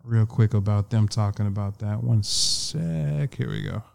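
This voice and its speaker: Mellow, smooth-voiced young man hosting. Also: fairly low pitch, measured pace. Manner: laid-back, chuckling, lots of fillers. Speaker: podcast host. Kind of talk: casual chat.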